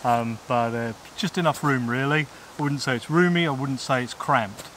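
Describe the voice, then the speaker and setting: An English man with a mid-range, fairly bright voice talks at a moderate pace, casually reviewing outdoor gear in the woods with plenty of ums and uhs. He's in and beside a small tent, picked up by a camera mic at close and mid distance, with slight background noise.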